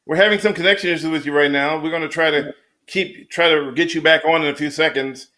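A man's voice: a little high, steady tone, fast talker, pushed and bright. A man hosting a podcast over a video call, chatty and a little flustered. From United States. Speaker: podcast host. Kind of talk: casual online interview.

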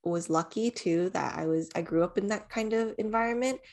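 A woman's voice: medium pitch, brisk, darkish tone. A young woman co-hosting a podcast, chatting casually with many "like" fillers and easy laughs. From United States. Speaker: podcast co-host. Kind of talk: casual chat.

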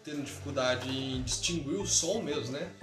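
A man's voice: medium pitch, normal speed, echoey room, music in the background. A man who sums up and adds to the other speaker's points in a casual teaching tone. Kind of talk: casual instructional talk.

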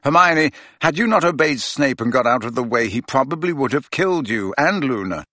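A man voicing a steady adult wizard who talks firmly and soberly, with reassurance. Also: medium pitch, normal speed, no echo. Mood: firm, reassuring. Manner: firm, sober.

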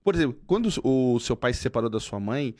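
A man's voice: medium pitch, lively intonation, a little fast, darkish tone. A man with a Brazilian Portuguese accent, hosting a casual chat and throwing in short profane reactions and questions.

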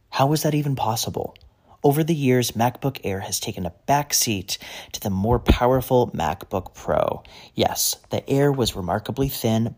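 An expressive commercial narrator with a mid-range voice. The scripted promo delivery moves widely in pitch, rising and dropping freely across phrases. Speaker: voice-over artist. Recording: voice-over demo reel.

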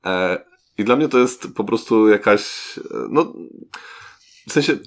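A man's voice: on the low side, expressive, a little slow. A man co-hosting a casual podcast, speaking hesitantly with many fillers and trailing phrases. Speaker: podcast co-host. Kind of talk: casual chat.

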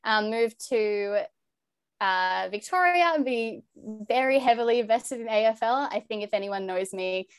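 A young woman with an Australian accent and a high, youthful voice, chatting openly as a podcast guest. She talks in an earnest, rambling way, full of "like" and "um". The sound is dry and close, with no room behind her. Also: lively intonation, measured pace, clear, resonant tone, no room sound. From New South Wales, Australia. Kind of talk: casual interview chat.

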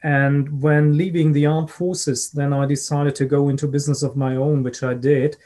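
Mellow-voiced German man in interview. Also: on the high side, flat delivery, moderate pace. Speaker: guest, risk and crisis management consultant. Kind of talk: podcast interview answers.

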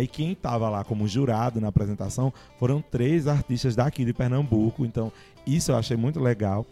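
Podcast host, man, relaxed dark voice, conversational interviewer, soft music bed. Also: medium pitch. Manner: friendly, asks questions, short backchannels. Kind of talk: casual interview chat.

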